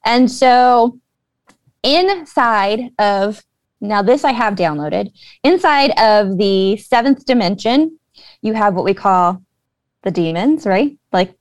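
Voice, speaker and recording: A woman's voice: mid-range voice, expressive, slow pace, no room sound. A woman guest earnestly explaining her beliefs in a casual conversation, with many fillers. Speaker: guest, spiritual intuitive.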